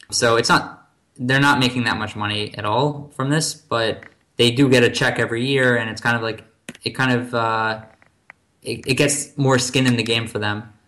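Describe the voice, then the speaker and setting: Speaking in an American accent, a man keeps a moderate pace and a medium pitch. His tone is bright and sharp, his intonation fairly even. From New Jersey, US. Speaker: business development manager, former student leader. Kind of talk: interview. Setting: remote call.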